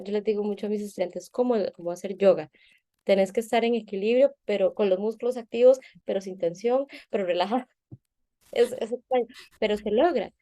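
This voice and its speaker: A woman's voice: mid-range voice, mellow. A woman voice teacher patiently explaining singing technique in an interview over a video call, often checking in with her listener.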